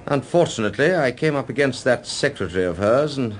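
An actor playing a chatty, wry film director in a radio drama, with an effusive, chummy manner. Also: male voice, medium pitch, expressive, brisk, natural voice.

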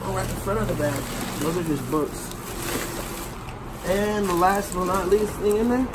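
A man in his thirties jokes and narrates playfully while digging through an open storage unit outdoors, offering casual commentary as he sorts. His voice sits high and moves at a moderate pace, playful, excitable, and teasing, captured on noisy outdoor camera audio.

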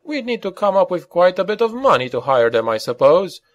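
A man's voice: a little high, sing-song, normal speed, dry recording, lo-fi sound, pitched above the performer's own voice. A man voicing a smug, scornful and sceptical man in an audiobook. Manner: smug, dismissive, pointed.

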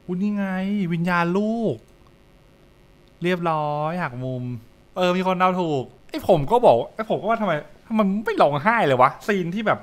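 A young adult man, giving casual live reaction commentary and repeating short phrases as he thinks aloud. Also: on the high side. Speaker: streamer reacting to horror comics. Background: music.

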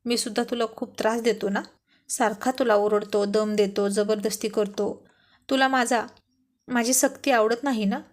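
A woman reading the part of a stern husband nearing fifty, now tearful and pleading. He speaks in emotional storybook dialogue. The voice sits a little high. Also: fairly even intonation, normal speed, close to an everyday voice. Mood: hurt, pleading.

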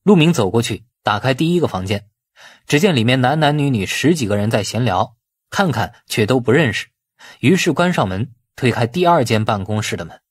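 A man reading a novel aloud as expressive scripted narration. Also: medium pitch, brisk, slightly rough, no room sound. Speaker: audiobook narrator.

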